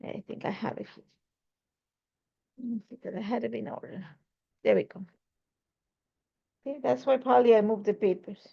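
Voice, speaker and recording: A woman's voice: fairly high pitch, moderate pace, creaky, pauses often, husky, muffled recording. A woman from Ecuador chatting casually through a scrapbooking tutorial, rambling and correcting herself as she goes. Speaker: scrapbooking crafter demonstrating a layout. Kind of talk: casual craft tutorial talk.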